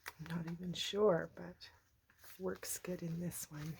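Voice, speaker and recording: A middle-aged woman with a hoarse, croaky voice, casually showing handmade journals. She talks softly and often slips into a whisper. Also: lowish voice, fairly even intonation, unhurried, slight background noise. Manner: soft-spoken, often drops to a whisper. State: hoarse, recovering from a cough. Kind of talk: casual show-and-tell narration.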